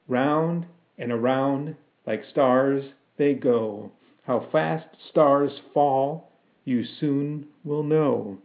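A man voicing a metal automaton that speaks in slow, measured, singsong riddles, eerie and solemn, as in an audiobook. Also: mid-range voice, narrow, tinny audio.

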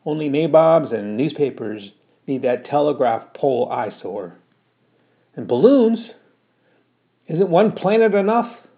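A man's voice: fairly high pitch, big pitch swings, measured pace, pauses often. A man voicing a blunt, scolding older country mother who talks in rustic dialect. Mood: scornful. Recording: tinny phone-like sound.

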